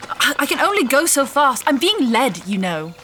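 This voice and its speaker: A woman's voice: high voice, very animated, normal speed, a bit bright. An actress playing a skeptical, proud woman doctor in an audio drama, dry, precise and disapproving. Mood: prickly.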